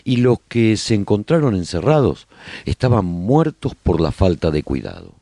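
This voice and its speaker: Deep, husky man acting as a survivor broadcaster. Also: very animated, moderate pace, mellow, no echo, full character voice. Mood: reflective storytelling. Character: male survivor broadcasting his community's story after humanity's collapse. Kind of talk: radio serial monologue, storytelling to listeners.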